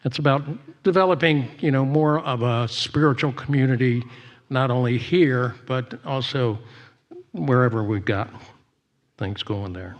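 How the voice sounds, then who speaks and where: Slow-paced man leading a church service. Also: mid-range voice, dull audio. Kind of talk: church announcements and devotional reading.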